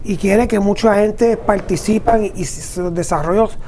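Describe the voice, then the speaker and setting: A man's voice: high-pitched, a little slow, warm tone. A man from Ponce with a Puerto Rican accent, a guest artisan on a local TV show. He answers at length and in detail, dropping in English fillers. A faint hiss sits under the recording. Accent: Puerto Rican Spanish. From Ponce, Puerto Rico. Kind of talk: interview answers.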